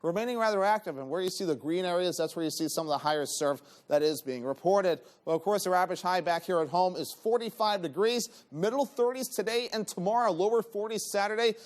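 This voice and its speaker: A man delivers a TV weather forecast in a loose, ad-libbed way. His voice is notably high for a man, and he talks quickly.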